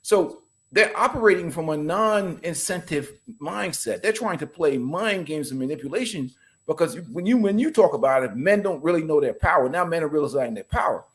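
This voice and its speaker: A man's voice: a little high, moderate pace. A man from the Bahamas, a podcast guest talking in an emphatic, opinionated, casual way. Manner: emphatic, animated, laughs while talking.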